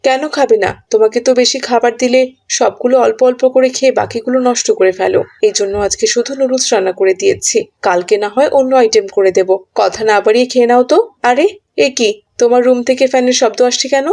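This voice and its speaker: A woman's voice: a little high, fairly even intonation, a little fast, creaky, a little mellow. A woman voicing a strict, easily exasperated mother in a children's moral cartoon. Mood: firm. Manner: scolding, complaining. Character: strict, exasperated mother scolding her wasteful daughter.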